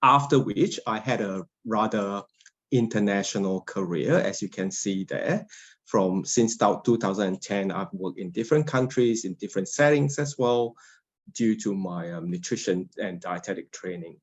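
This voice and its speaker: A man from Malaysia with a fairly low voice presents to a webinar audience as a university lecturer. He talks in a polite, measured way while going through his slides. The video call audio sounds dull and lo-fi. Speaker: guest lecturer.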